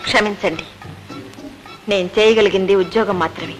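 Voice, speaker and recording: A woman's voice: medium pitch, fairly even intonation, normal speed, faint music behind, close to an everyday voice, poor audio. An actress playing a proud young woman seeking work in a film drama, speaking with firm, polite dignity. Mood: dignified, firm. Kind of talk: Telugu film drama acting.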